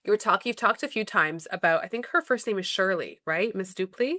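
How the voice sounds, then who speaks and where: A woman's voice: mid-range voice, a little fast, bright, forceful tone, no echo, clean studio sound. A woman hosting a podcast conversation, upbeat and steering the talk along. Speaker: podcast host, school principal.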